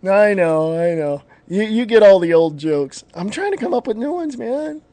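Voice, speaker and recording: A man's voice: sits high, expressive, moderate pace, dark tone. A man in his fifties hosting a live talk show, chatting casually with many fillers and frequent laughs. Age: 50s. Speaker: podcast host. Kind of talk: casual chat.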